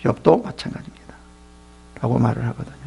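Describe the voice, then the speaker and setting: A man's voice: medium pitch, lively intonation, quick pace, gravelly, warm tone, husky. A middle-aged male pastor who preaches a sermon emphatically and uses rhetorical questions.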